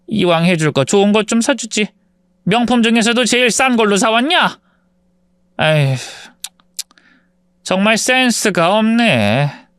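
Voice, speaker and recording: A man's voice: high voice, expressive, unhurried, long pauses, fairly bright tone, clean tone, dry recording, clean studio sound, pitched above the performer's own voice. A man voicing a spiteful middle-aged mother-in-law who scolds and sneers at her daughter-in-law. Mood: scornful. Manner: sarcastic, scolding.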